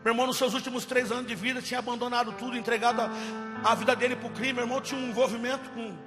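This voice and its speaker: Impassioned high-voiced male preacher. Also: little pitch movement, racing, big-room sound, over music. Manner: impassioned, swings from loud cries to hushed. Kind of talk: testimony sermon.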